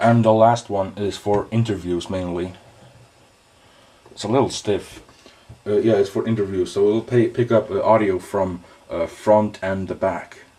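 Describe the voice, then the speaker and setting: The speaker keeps a moderate pace and fairly even intonation, with long, frequent pauses. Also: man, fairly low pitch for a man. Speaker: product reviewer. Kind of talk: product review tutorial. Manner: soft-spoken; hesitant, many fillers.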